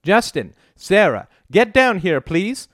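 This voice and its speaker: A man's voice: mid-range voice, slow pace, a little mellow, no echo, studio quality. A man voicing a furious, bitter wife who shrieks orders at her family in a dramatic story. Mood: commanding, exasperated. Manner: shrieking, commanding, breaking off.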